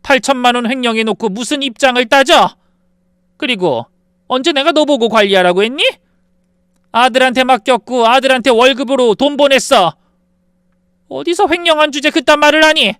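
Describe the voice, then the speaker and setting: A man's voice: very high voice, normal speed, clean tone, no room sound, studio quality, pitched above the performer's own voice. Man voicing an enraged older landlord mother. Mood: furious. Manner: scolding, sharp demands. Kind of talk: dramatized story reading.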